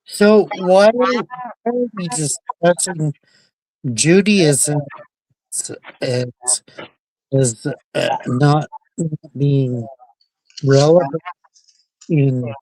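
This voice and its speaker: A man calling into an online debate over a video call whose audio keeps breaking up. He talks haltingly, repeating words and filling gaps with fillers. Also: on the high side, darkish tone, dry recording, low-quality recording. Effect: choppy, breaking-up video call audio. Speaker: caller.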